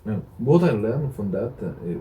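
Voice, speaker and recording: Italian man, dark voice, halting speech. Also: on the low side, very animated. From Italy. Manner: halting, many fillers and restarts. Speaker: guest, hotel director. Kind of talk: casual interview chat.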